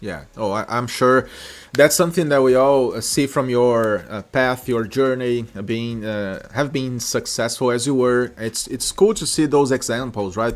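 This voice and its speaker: A man hosting a podcast interview, asking long friendly questions with many "uh"s and restarts. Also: mid-range voice. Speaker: podcast host.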